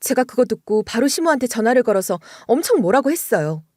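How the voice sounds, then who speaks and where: A woman's voice: on the high side, big pitch swings, fast talker, a little mellow, no echo, studio quality. A woman narrating a true-life family story in the first person, in a conversational, confiding way.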